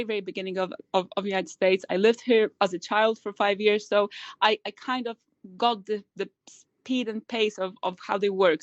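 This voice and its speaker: A woman's voice: medium pitch, no echo. A woman company founder answering interview questions in a rush, with many repeated words and restarts. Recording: dry, dull lo-fi call audio.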